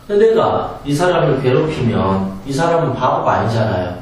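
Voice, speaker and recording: A man gives an animated self-help lecture, his pitch rising and falling as he drives each point home and briefly mimics angry outbursts. He sounds set back from the mic in a strongly reverberant room. A faint hiss sits under his voice. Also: normal speed. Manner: lively, emphatic, acts out angry quotes, laughs often. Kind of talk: spoken lecture. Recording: very echoey room from a distance, faint noise.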